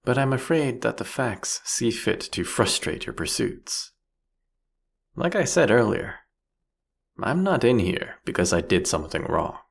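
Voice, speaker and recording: A man playing a proudly ruthless, philosophical vampire king in a fantasy audio roleplay, speaking eloquently and mockingly in a drawn-out, theatrical way. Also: mid-range voice, big pitch swings, gravelly, husky, full character voice. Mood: mocking amusement.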